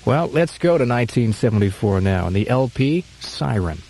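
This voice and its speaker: A man hosting a radio album show, giving measured, informative commentary between records. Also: mid-range voice, big pitch swings, background noise. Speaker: radio host. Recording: slightly muffled archive radio aircheck.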